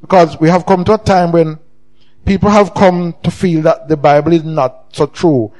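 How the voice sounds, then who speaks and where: A middle-aged man with a Jamaican accent, preaching a sermon with emphatic swings in pitch and loudness. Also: fairly even intonation, moderate pace. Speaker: pastor.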